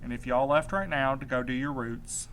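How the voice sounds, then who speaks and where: A man's voice: mid-range voice, moderate pace, fairly bright tone, lightly acted, low-quality recording. A man acting in an audio drama podcast as a desperate, determined husband searching for his missing partner, earnest and hesitant in delivery. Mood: pleading, earnest. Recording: clear background noise, ambient sound bed.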